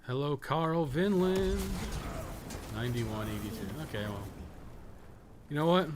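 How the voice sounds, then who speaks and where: A man's voice: fairly high pitch, animated, a little slow. A man giving casual, rambling live game commentary with plenty of swearing, as a streamer. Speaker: streamer and podcast co-host. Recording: clearly noisy, game audio behind. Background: video game sound and dialogue.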